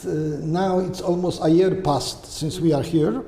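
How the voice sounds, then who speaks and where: An older man with a Polish accent, answering interview questions in a halting way and often checking in with "okay?" or "right?". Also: fairly high pitch, steady tone, warm tone. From Poland. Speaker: guest. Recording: echoey room with long reverb and faint hiss.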